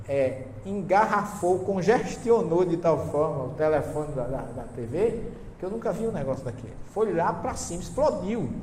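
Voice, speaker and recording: A high-pitched man speaks at a moderate pace with hardly any pauses and very wide pitch swings. Audible room echo and noticeable background noise fill the recording. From Brazilian Northeast (Paraíba). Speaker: religious lecturer, Bible scholar. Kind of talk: lecture. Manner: animated.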